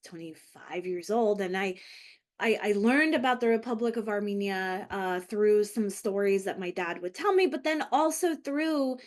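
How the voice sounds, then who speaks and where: A woman's voice: mid-range voice, animated, normal speed. A woman who grew up in Los Angeles after coming from Lebanon, co-hosting a podcast in a reflective, hesitant way with many fillers and restarts. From Lebanon, raised in Los Angeles. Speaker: podcast co-host. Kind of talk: casual conversational podcast.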